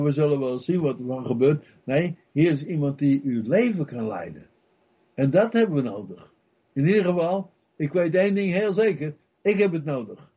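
Husky, fervent male preacher. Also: a little high, dark tone. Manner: fervent, repetitive rhetorical questions. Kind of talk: sermon. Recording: dull lo-fi recording.

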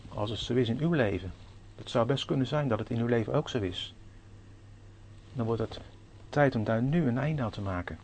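A man's voice: mid-range voice, expressive, normal speed, a little mellow, a little hiss or hum. A man preaching a sermon, earnestly putting questions to the congregation and reading scripture aloud. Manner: reads scripture in old-fashioned formal Dutch.

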